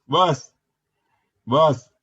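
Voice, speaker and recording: A man's voice: on the high side, very slow, fairly bright tone, husky, muffled recording. A man in a heated live debate who insists on being heard and repeats his words over and over. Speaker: debate opponent on a live stream.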